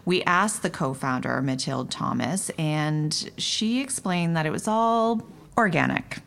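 A woman's voice: sits low, a little slow, vocal fry, a bit bright. A woman co-hosting a podcast in casual chat, talking readily and often filling in with agreeing murmurs. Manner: chatty, backchannels often with mm-hmm. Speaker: podcast co-host.

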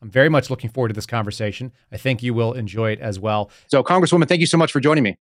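A man hosts a political podcast, brash and casual, rattling through an ad read. He talks fast, in a mid-range voice. The sound is dry and close. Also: mid-range voice, no echo. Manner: brash, casual, punchy ad reads. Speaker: podcast host. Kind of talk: podcast monologue and interview.

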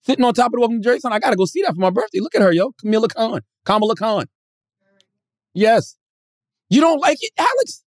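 A man co-hosting a podcast in casual chat, animated and slangy, often laughing. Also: very high voice, fast talker, dry recording, clean studio sound. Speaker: podcast co-host.

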